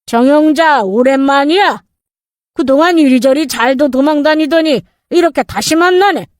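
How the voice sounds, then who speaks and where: A woman voicing a male police detective who speaks firmly and calmly. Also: high voice, normal speed, no echo, clean studio sound, pitched above the performer's own voice, close to an everyday voice.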